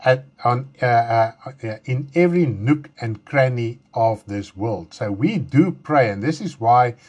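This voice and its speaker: A man's voice: medium pitch, expressive, darkish tone. Man teaching Bible study. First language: Afrikaans. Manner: earnest, halting, with frequent fillers and restarts. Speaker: pastor leading Bible study.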